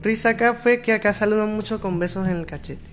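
A man's voice: sits high, fast talker, soft background music. A young Venezuelan man speaking Spanish with a Venezuelan accent tinged by Bogotá, a guest chatting casually and laughing often. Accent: Venezuelan Spanish with Bogotá influence. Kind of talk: casual chat.

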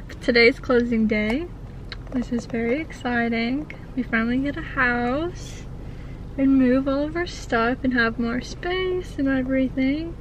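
A young woman narrates a casual walk-through vlog with a camera at arm's length. She talks slowly, a little high, and giggles between remarks. Bare, echoey rooms ring around her voice. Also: slight background noise. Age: young adult. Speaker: vlogger. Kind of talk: casual vlog, house tour. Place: car, then empty house with bare rooms. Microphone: handheld camera at arm's length.

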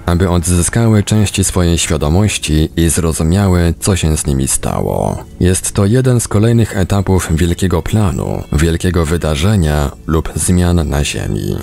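A man reading an audiobook as scripted narration, measured and with deliberate pauses. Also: low voice, creaky, darkish tone. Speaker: audiobook reader on a radio programme.

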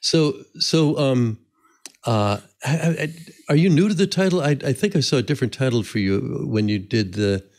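An older man hosting a podcast interview, talking in a halting way with repeated words, into a studio mic in a home office. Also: medium pitch, animated, darkish tone. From New Jersey. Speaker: podcast host. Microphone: studio mic on arm, earbuds.

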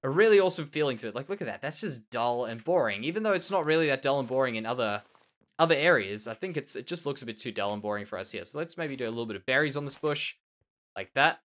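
A man's voice: mid-range voice, animated, fast, fairly bright tone. An Australian man with a nasal, slightly tender voice, musing and repeating words as he comments on his own Minecraft building. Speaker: Minecraft let's play host. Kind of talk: casual gameplay commentary.

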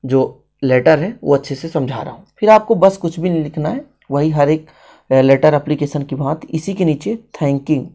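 A man's voice: on the high side, normal speed, warm tone, breathy edge. An Indian man teaching a writing lesson step by step, repeating phrases and switching languages as he explains each one.

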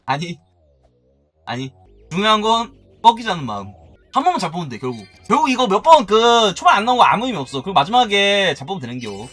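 A man doing excited commentary as a gaming YouTuber, shouting and groaning as he opens eggs, with mock-formal asides. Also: high voice, fast talker, husky, faint music behind. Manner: animated, shouts and groans while opening eggs.

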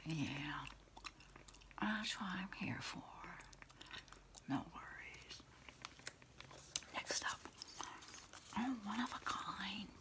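A middle-aged woman whispering a quiet ASMR roleplay close to the mic, in a breathy, murmuring voice with pauses and soft hums. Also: mid-range voice, lively intonation. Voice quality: breathy, mostly unvoiced whisper. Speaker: ASMR host playing a therapist. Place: small candlelit indoor room.

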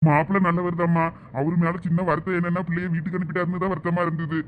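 Fast-talking, high-voiced man. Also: little pitch movement. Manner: aggrieved, indignant pleading. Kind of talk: village family comedy skit acting. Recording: dull lo-fi sound with faint noise.

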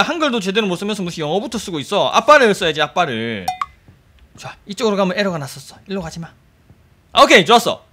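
A man giving playful, jokey commentary while playing a game, talking to the characters and bursting into loud excited exclamations, with game music behind him. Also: sits high. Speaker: game streamer. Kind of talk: casual gameplay commentary.

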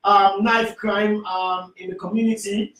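A man's voice: high-pitched, little pitch movement, measured pace, a bit bright. A man with a Sierra Leonean Creole accent hosting a live radio talk show, mixing English with Creole. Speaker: radio host. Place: small radio studio. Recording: roomy, distant microphone.

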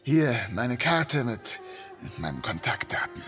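An actor playing a young, polite but determined police inspector in a German audio drama. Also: male voice, medium pitch, very animated, slow pace, a bit bright, faint music behind. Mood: insistent. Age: young adult. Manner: polite, businesslike.

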